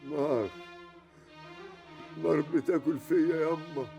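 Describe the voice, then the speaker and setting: A man's voice: on the high side, steady tone, measured pace, vocal fry, warm tone, muffled recording. An actor with an Egyptian accent playing a proud man who is bitter, anguished and cursing the woman who betrayed him. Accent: Egyptian Arabic. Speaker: betrayed husband. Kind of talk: TV drama acting. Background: music score.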